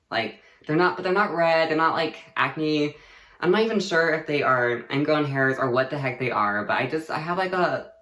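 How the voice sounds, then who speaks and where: A man's voice: on the high side, a bit bright. Chatty young man in an echoey room. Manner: chatty, rambling, many "like" and "um" fillers, laughs easily. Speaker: vlogger. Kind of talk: casual personal update to camera.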